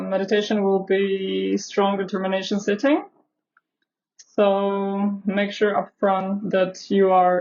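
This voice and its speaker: A woman leading a guided meditation in a measured, instructional way, with long pauses between phrases. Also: mid-range voice, a little mellow, muffled recording. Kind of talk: guided meditation, live session.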